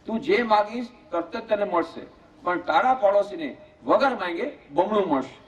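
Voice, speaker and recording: A man's voice: high voice, animated. A man playing a grave sea god. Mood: solemn. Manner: slow, grave pronouncements. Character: solemn male sea god granting wishes. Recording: muffled lo-fi lecture recording.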